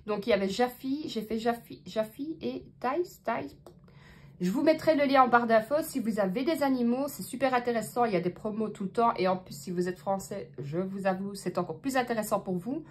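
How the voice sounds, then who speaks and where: Speaking fairly quickly in a voice on the high side, a Belgian French-accented woman chats to her viewers in a casual to-camera budgeting vlog. She counts out her money while thinking aloud, filling pauses often.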